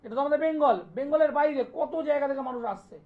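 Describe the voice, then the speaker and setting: একজন জেদি, বারবার একই কথা বলা জ্যোতিষী পুরুষ. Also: male voice, very fast. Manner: insistent, repetitive sales pitch, listing place names. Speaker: astrologer hosting a live TV call-in show. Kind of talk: live TV promotional talk and phone call-in. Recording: dull lo-fi broadcast sound.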